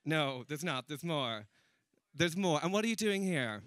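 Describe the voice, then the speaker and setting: Man, stand-up comic, teasing crowd work, bright tone, dry close mic. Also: a little high, animated, a little slow, dry recording. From Ireland. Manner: chatty, teasing, laughs at his own jokes. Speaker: stand-up comedian. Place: comedy stage in a room with an audience.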